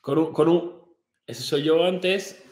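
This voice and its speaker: Brash motivational influencer, somewhat high-pitched, swears constantly and lectures the viewer, recorded in a roomy, echoey office. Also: male voice, fairly even intonation, slow pace, darkish tone. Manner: brash, profane and confrontational, gesturing broadly. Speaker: fitness and business influencer. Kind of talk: motivational rant to camera. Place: small home office, indoors. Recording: echoey room.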